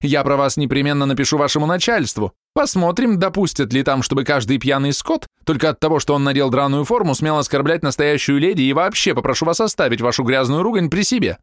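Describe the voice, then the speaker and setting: A man doing a shrill, nagging woman. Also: animated, fast, hardly any pauses, no room sound, clean studio sound, lightly acted. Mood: aggrieved ranting. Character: shrill, quarrelsome woman in her forties.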